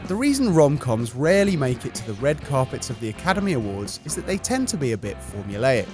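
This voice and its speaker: A man's voice: medium pitch, big pitch swings, fast. A man reading comic scripted commentary in a wry, sarcastic manner. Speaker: video narrator. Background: light music.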